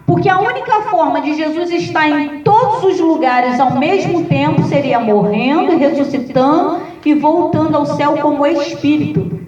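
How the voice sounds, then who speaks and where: A woman pastor with a Brazilian Portuguese accent, preaching a sermon with lively, humorous storytelling. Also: high voice, normal speed. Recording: echoey, distant, dull sound.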